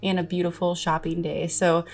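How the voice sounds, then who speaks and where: A woman's voice: lowish voice, flat delivery, moderate pace, darkish tone, faint music behind. A young woman who runs an antique booth, chatting casually in a voice-over with lots of ums. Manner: friendly, chatty, with frequent ums.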